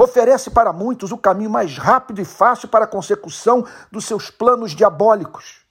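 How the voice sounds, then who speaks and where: A man with a high voice speaks in a solemn tone at a moderate pace with ordinary pitch variation. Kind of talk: sermon-style devotional commentary. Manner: solemn, earnest, formal, pastoral; firm, indignant, measured, point-by-point.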